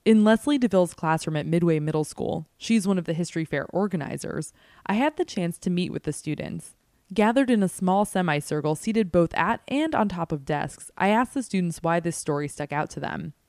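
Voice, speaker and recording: Mellow, low-voiced American public radio host. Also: female voice, expressive, a little fast, no echo, studio quality. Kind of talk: scripted narration in a public radio host manner.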